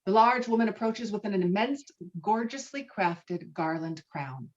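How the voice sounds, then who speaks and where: A woman's voice: medium pitch, expressive, a little slow, lo-fi sound. A woman reading stage directions as scripted narration for a virtual table read, recorded over an online call. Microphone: online call microphone.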